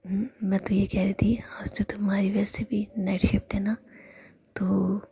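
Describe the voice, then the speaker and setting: A woman's voice: mid-range voice, flat delivery, moderate pace, vocal fry, heavy background noise, lightly acted. A woman voicing a coy, teasing young woman, speaking in a whisper.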